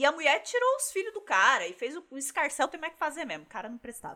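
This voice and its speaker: A woman's animated tone swings very widely in pitch against noticeable background noise. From São Paulo, Brazil. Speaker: podcast host. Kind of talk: casual chat.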